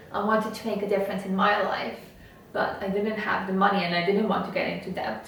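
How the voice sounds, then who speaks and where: A woman whose first language is Estonian, speaking earnestly and motivationally as an interview guest. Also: medium pitch. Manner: earnest, motivational, steady and even. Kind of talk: interview conversation. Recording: echoey room, from a distance, faint noise.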